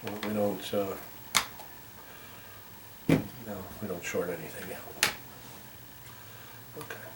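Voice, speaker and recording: A man with a lowish voice talks through a repair as he does it. He is careful and halting, thinking aloud in a casual way. The sound is roomy and distant from the mic, with faint noise behind him. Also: steady tone. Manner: careful, halting, talking while working. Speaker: volunteer repairer demonstrating a fix.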